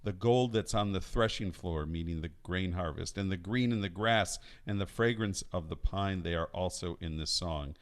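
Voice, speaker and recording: Halting, low-voiced man introducing a song. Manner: halting, searching for words with many restarts. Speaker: song leader. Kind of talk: casual spoken introduction before singing at a live-streamed study night. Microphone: home setup singing over recorded accompaniment.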